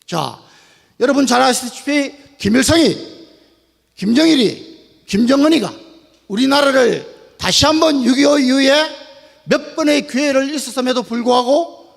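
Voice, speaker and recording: An older man giving a rousing, booming political speech to an audience, emphatic and drawing out his phrases. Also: animated, normal speed, gravelly. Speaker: public speaker, retired general. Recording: long hall reverb.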